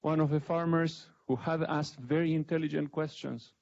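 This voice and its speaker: A man's voice: on the high side, steady tone, moderate pace, creaky, a little mellow. A middle-aged man from Argentina with an Argentine accent, giving a conversational, self-deprecating talk to a panel audience. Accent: Argentine Spanish. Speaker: panel speaker. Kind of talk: public talk with slides. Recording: dull lo-fi event recording.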